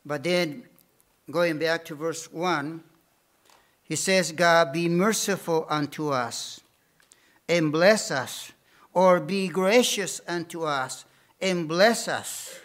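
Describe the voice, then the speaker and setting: Slow, high-voiced preacher. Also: male voice, fairly bright tone. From Bolivia. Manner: slow, emphatic preaching with repeated phrases. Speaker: missionary preacher. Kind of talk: sermon.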